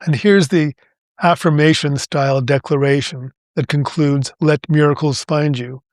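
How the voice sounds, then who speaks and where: Male podcast host with a slightly high voice, reflective spiritual monologue, slow gentle inspirational reads, dry close sound. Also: steady tone, no room sound. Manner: slow and deliberate, phrase by phrase.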